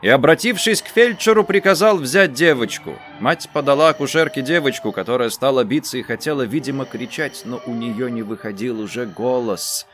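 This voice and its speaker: A man reading a first-person story aloud in a subdued, low-key manner. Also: fairly quick, hardly any pauses, a bit bright. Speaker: narrator. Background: faint music.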